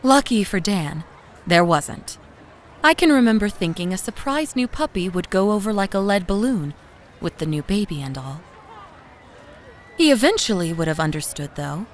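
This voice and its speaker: An actress playing a loving, anxious young mother, narrating her memories in an expressive, conversational way for a scripted audio drama. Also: medium pitch, normal speed, a little hiss or hum, natural voice. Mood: fond, relieved. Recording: faint music behind narration.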